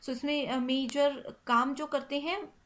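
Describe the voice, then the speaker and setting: Giving an online exam-prep lecture, a young woman speaks Hindi sprinkled with English terms, constantly repeating "ठीक है" ("theek hai") to check in after almost every point. Her high, fairly bright voice keeps a steady tone at a slow pace.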